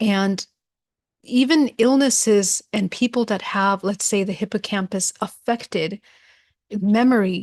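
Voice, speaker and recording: Over a quiet background, a woman with a somewhat breathy voice speaks at a fairly slow pace and medium pitch, her intonation fairly even and the sound dry and close with no echo. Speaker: spiritual teacher. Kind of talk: lecture.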